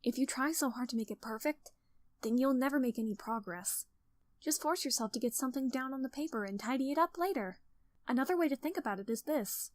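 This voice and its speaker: A woman voicing an encouraging teenage girl club president from a visual novel game, speaking in an earnest, conversational, gently instructive way. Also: sits high, a little fast, close to an everyday voice. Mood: friendly, instructive. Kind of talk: scripted character monologue of writing advice.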